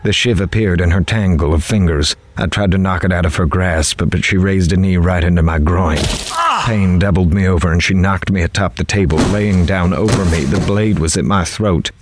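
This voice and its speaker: Man playing a grave, low-voiced reporter. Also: fairly even intonation, normal speed, slight background noise, lightly acted. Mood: alarmed. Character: uneasy male reporter recounting a prison interview. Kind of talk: dramatic first-person narration in audio drama. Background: music.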